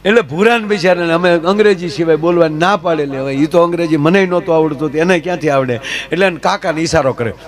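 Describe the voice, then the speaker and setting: A man's voice: fairly high pitch, quick pace. A man with a Kathiawadi Gujarati accent telling comic stories on stage in a chatty way, talking straight to the crowd. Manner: chatty, addresses the crowd directly. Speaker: folk stage storyteller. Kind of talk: stage comedy storytelling.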